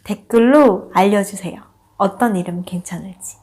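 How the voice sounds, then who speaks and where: A young woman vlogger telling a personal story in a casual, animated way, laughing often and acting out what people said. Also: medium pitch, moderate pace, breathy edge.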